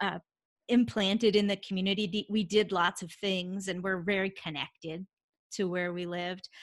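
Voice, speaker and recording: In a very clean recording with a silent background, a woman with a medium-pitched, bright, sharp tone speaks at a moderate pace with monotone, flat intonation. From Vermont. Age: 40s. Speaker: life coach and hypnotherapist. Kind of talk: interview.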